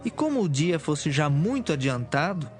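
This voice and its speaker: Higher-pitched man narrating scripture solemnly. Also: very animated, moderate pace. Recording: music behind.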